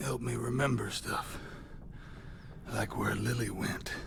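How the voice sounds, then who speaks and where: Amid loud background noise, a man performs a put-on character voice, taking a fairly slow pace. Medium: video game. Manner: gruff, profane.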